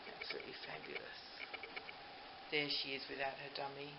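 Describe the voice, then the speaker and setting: A woman's voice: rumbling low, sing-song, brisk. An older woman chats casually to camera as a doll maker, gushing and rambling, in a home recording. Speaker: doll maker and video host. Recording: roomy, muffled, noisy home recording.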